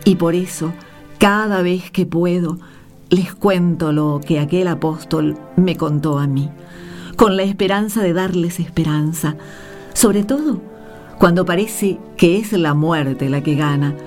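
Woman acting as low-voiced, heartfelt storyteller over music. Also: measured pace, a little mellow, close to an everyday voice. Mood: moved, hopeful. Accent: Argentine. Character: emotional woman narrator remembering a desert journey of faith. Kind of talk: radio play narration. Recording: music under the voice.

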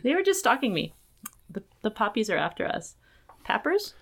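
A woman hosting a podcast in casual chat, self-deprecating and quick to laugh. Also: mid-range voice, big pitch swings, gravelly. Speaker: podcast host.

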